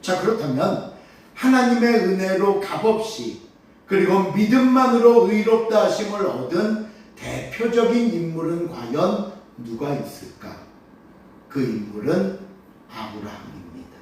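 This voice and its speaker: A male pastor delivering an expository Sunday sermon in a high voice with a lively, rising and falling delivery. He poses rhetorical questions and calls on the congregation to read scripture aloud. The sound is caught from a distance in a very echoey sanctuary. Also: measured pace, a little hiss or hum. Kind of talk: Sunday morning sermon, expository Bible teaching. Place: church sanctuary during a worship service.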